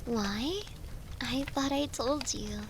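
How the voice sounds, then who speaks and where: A woman playing a gentle, affectionate young mistress in an intimate roleplay audio, speaking softly, reassuringly and a little hesitantly to her automaton companion, sometimes breathily. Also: high-pitched, slow, background noise. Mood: shy, tender. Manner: tender, reassuring, hesitant, drifting into breathy whispers.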